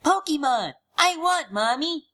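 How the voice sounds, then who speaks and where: An excited little boy, put on by a man cries out in a high, childish voice. He is grabby and demanding, pitched far up for an audio drama. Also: unhurried, heavily acted.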